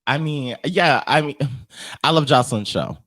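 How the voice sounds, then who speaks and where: Animated, sassy American man. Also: fairly high pitch, moderate pace, dry recording, studio quality. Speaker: talk show co-host. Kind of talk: casual chat.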